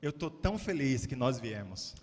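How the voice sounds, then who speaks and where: A man's voice: mid-range voice, big pitch swings, moderate pace. Man interpreting a sermon in a church hall. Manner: renders each phrase right after the speaker. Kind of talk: live consecutive interpreting. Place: church sanctuary.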